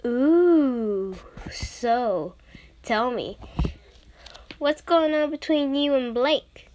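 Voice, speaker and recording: A woman's voice: sits high, animated, very slow, a little mellow, full character voice. A woman playing a teasing, reassuring young female friend in a playful audition reading.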